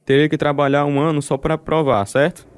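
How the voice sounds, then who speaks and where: A man's voice: a little high, little pitch movement, fairly quick, smooth, close to an everyday voice. An actor playing a steadfast, devout Christian prisoner, a man narrating his own story in an earnest, resolute radio drama style. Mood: firm.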